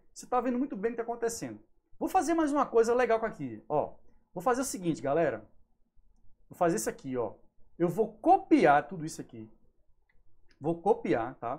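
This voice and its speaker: With a northeastern Brazilian accent, a man speaks at a fairly quick pace in a high pitch, his voice making very wide pitch swings and big swings in loudness, broken by long, frequent pauses, over a quiet background. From Natal, Rio Grande do Norte, Brazil; Rio Grande do Norte, Brazil. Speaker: programming teacher and YouTuber; livestream programming teacher. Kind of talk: live coding tutorial. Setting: live stream. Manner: casual and animated. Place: home room.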